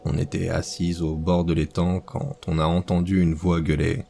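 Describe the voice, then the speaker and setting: A man reading a horror story aloud as scripted narration, slow and measured. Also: low voice, level tone, gravelly, dark tone, faint music behind.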